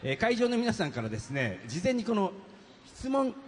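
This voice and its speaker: A man hosting a live stage talk, chatty and quick, leading the guests with questions. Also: high voice, very animated, in a large hall, slight background noise. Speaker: event host.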